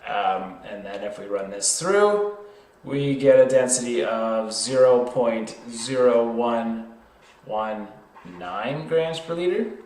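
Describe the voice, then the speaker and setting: A man's voice: mid-range voice, animated, slow pace, darkish tone, echoey room, poor audio. A man working through a problem as an informal tutor, hesitant, thinking aloud and correcting himself.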